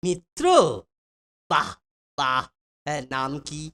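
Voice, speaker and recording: Slow, pompous cartoon guru. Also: mid-range voice, steady tone. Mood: pompous, commanding. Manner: pompous, ornate archaic formal speech. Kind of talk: comic cartoon voice acting. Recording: loud background music over the voice.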